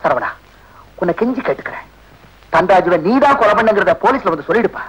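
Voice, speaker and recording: An actor playing a gentle, desperate brother who pleads for justice, from an old film soundtrack with music behind. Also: male voice, expressive, fast, slight background noise, poor audio. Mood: pleading. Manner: pleading, husky high voice.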